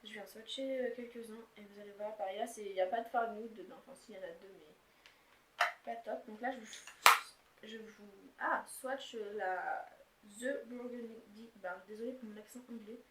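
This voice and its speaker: A woman's voice: mid-range voice, brisk. A young woman showing and swatching her makeup palettes in a casual, rambling chat, full of fillers and restarts. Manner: chatty, rambling, filler-heavy. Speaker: beauty vlogger. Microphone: camera's built-in mic. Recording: echoey room, faint noise.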